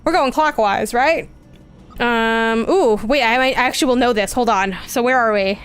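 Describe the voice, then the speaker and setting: A woman's voice: on the high side, steady tone, moderate pace, smooth, faint music behind. A woman streaming a game, chatting casually, thinking aloud and reading on-screen dialogue.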